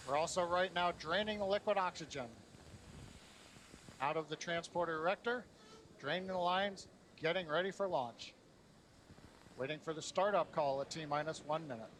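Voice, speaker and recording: A man's voice: on the high side, moderate pace, long pauses, a bit bright, poor audio. A man giving live launch commentary, explaining technical steps as they come. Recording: some background noise and crowd.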